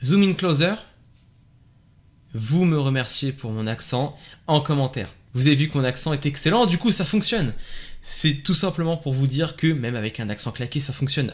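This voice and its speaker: Chatty, higher-voiced man reviewing gear. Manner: chatty, enthusiastic, peppered with little fillers. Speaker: tech reviewer. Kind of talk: casual product review. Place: home desk setup with LED lights behind him.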